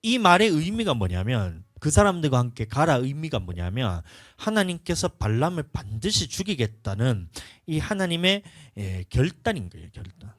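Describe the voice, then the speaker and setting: A man's voice: mid-range voice, moderate pace, hardly any pauses, dry recording, clean studio sound. A male pastor preaching a sermon, telling stories and acting out the dialogue in different voices. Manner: animated storytelling, acts out dialogue in different voices.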